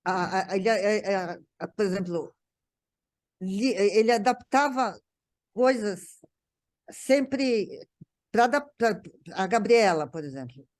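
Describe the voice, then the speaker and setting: A woman's voice: medium pitch, expressive, slow pace, pauses often, a little mellow. A Brazilian woman speaking casually as a panel guest, recalling a writer's work and often repeating words as she searches for phrasing. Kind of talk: casual conversational recollection.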